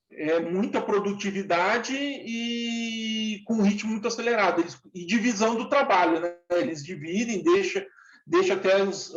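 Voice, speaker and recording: Man, 40s, interviewee; plain-spoken and earnest, dull lo-fi recording. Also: sits high. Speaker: interviewee, former factory worker. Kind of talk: casual interview talk. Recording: echoey room, dull lo-fi sound.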